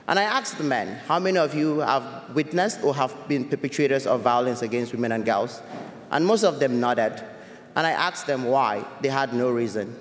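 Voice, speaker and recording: A young man from Cameroon giving an earnest, measured personal talk as a youth advocate, with small restarts. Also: medium pitch. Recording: echoey hall with long reverb.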